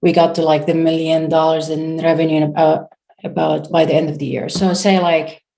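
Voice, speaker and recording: A woman in her thirties from Syria, a startup founder answering interview questions in a halting way, pausing often as she searches for words. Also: deep voice, level tone, gravelly, dark tone.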